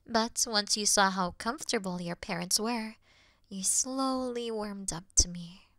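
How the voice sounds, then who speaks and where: A woman playing a regal, calm demon queen in a fantasy audio roleplay, speaking in a measured, earnest, soft-spoken way. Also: medium pitch, no echo. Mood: tender, nostalgic. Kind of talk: scripted fantasy audio roleplay addressed to the listener.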